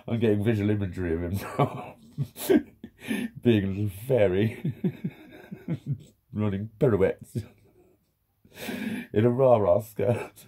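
A man's voice: lowish voice, slow pace, long pauses, warm tone. A man, telling a story in a casual vlog rant, swearing constantly, laughing and acting out what people said, filmed close up while lounging in a small room. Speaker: vlogger.

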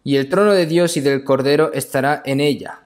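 Man preaching in halting phrases. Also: mid-range voice. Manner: halting, repeats phrases, often adds questioning tags. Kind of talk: sermon with scripture reading.

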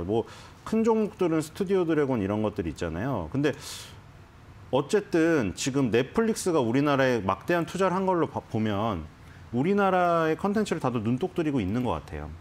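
Animated man giving stock commentary. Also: mid-range voice, quick pace, a little hiss or hum. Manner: explanatory, animated, frequent restarts. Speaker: stock analyst guest. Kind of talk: conversational market commentary. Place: TV studio.

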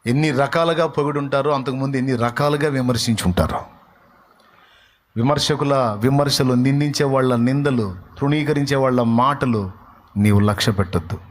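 A man preaching a sermon, acting out the voices of scoffers and building to emphatic rhetorical questions. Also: normal speed. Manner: acts out crowd voices in shifting pitch and volume. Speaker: pastor.

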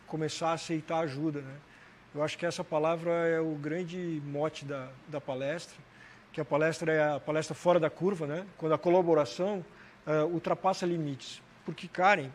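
A man's voice: fairly high pitch, slight background noise. A man in his forties with a southern Brazilian accent from Santa Catarina, telling his personal story conversationally as a guest in a TV interview. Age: 40s. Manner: conversational, frequent "né" and "cara" tags. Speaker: interview guest, motivational speaker. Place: TV studio, indoors. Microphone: lapel mic.

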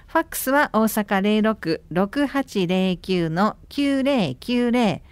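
A woman's voice: medium pitch, expressive, takes it slowly, clean tone, dry recording. A woman co-hosting a radio show as an announcer, moving between chat and announcements. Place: radio studio.

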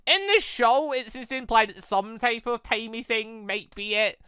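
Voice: mid-range voice, moderate pace, sharp tone, smooth, dry recording. A gaming host giving rambling commentary while playing, thinking aloud from move to move. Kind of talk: excitable let's play commentary and dialogue read-aloud. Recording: dry close voice over game music. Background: game music.

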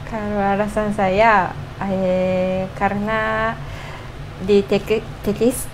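A young Japanese woman chatting casually as a foreigner speaking halting Indonesian with a Japanese accent and interjections from her native language. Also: mid-range voice, level tone. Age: young adult. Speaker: co-host of couple's vlog. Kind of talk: casual chat. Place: small home kitchen, indoors. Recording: noticeable background noise, home kitchen.

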